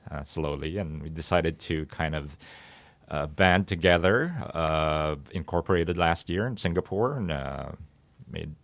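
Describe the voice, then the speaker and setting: A man's voice: rumbling low, a little slow, a bit bright, no echo. A man speaking as an interview guest, a startup founder explaining his business in conversation.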